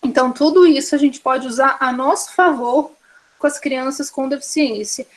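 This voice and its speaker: Brazilian woman instructor, high bright voice, steady lecturing pace, rattles off examples in lists. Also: moderate pace. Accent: Brazilian Portuguese. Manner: explains by listing examples one after another. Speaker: course instructor. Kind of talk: online course lecture.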